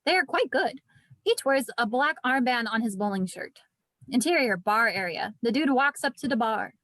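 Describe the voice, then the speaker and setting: Fairly high-voiced woman narrating a script. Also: animated, moderate pace, a bit bright, dry recording. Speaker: narrator reading stage directions. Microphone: video call.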